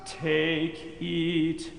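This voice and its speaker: A man leading a chapel service, intoning and chanting the liturgy in a slow, measured, solemn way, his voice ringing with a cathedral-like echo. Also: a little high, monotone, gravelly, soft background music. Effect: cathedral-like echo of a large chapel. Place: large chapel indoors. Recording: echoey chapel with long reverb, faint ambience.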